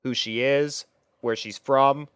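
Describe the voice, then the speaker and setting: Smooth-voiced man narrating a story. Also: medium pitch, steady tone, slow, fairly bright tone, dry recording, clean studio sound. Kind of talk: scripted first-person story narration.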